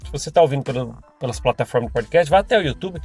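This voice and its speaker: A Brazilian man hosts a podcast, talking casually in a mid-range, darkish, slightly rough voice with lively intonation and a very fast pace. He rambles in a chatty way, restarting often and laughing, with a Brazilian Portuguese accent, while faint music plays behind him.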